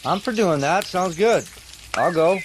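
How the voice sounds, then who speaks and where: Laid-back male camper acted by a man, slightly high voice, laconic and folksy, audio drama, noisy outdoors. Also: lively intonation, measured pace. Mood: agreeable. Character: laid-back, plain-spoken male camper, mildly bemused. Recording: clear outdoor noise with birdsong.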